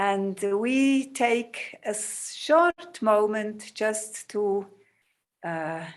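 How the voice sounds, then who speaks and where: A woman with a Swiss German accent speaks at a very slow pace and a fairly high pitch, her intonation lively. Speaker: meditation and prayer leader. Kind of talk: guided meditation. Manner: halting.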